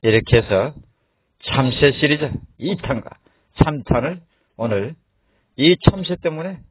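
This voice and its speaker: A man outdoors by a road, telling a joke in a playful, animated storytelling manner, recorded with dull lo-fi sound. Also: on the high side, unhurried, slightly rough, no echo. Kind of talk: comic storytelling.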